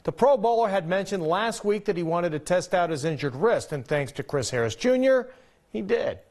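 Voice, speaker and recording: An American man presents sports news in a high voice with lively swings of intonation. He moves between headlines and easy banter like a studio anchor. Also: moderate pace.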